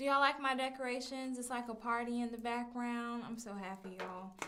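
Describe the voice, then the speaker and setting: High-pitched woman's voice with ordinary pitch variation and audible room echo. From US South, Atlanta. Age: 20s. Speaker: podcast host and teacher. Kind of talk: live stream Q&A chat. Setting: live video stream. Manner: animated.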